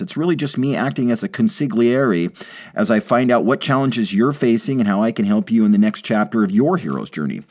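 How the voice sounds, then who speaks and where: A man's voice: lowish voice, a little mellow. A man hosting a podcast, delivering a scripted introduction and announcements straight to his listeners. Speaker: podcast host.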